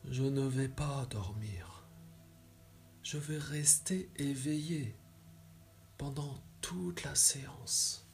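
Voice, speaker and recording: A man guiding a relaxation meditation in a soft, soothing, measured way, giving instructions with pauses and slightly breathy phrase endings. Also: mid-range voice, faint music behind. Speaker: yoga nidra guide.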